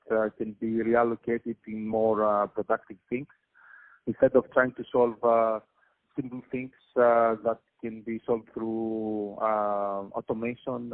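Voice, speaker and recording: A man's voice: fairly low pitch, flat delivery, normal speed, no echo. A man from Greece with a Greek accent, answering interview questions hesitantly, with many fillers, heard over a phone line. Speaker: guest, tech company CEO.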